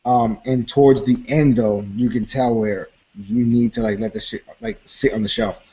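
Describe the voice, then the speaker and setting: Casual co-host, medium voice, loose rambling tasting notes over a muffled video call. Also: male voice, medium pitch, lively intonation, normal speed, creaky, dark tone. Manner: rambling, filler-heavy. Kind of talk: casual beer tasting chat.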